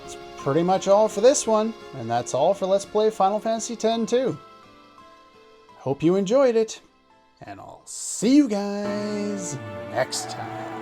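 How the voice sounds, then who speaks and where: A woman's voice: medium pitch, very animated, measured pace. A woman hosting a let's play, giving casual, opinionated and sarcastic reaction commentary. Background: loud game soundtrack music.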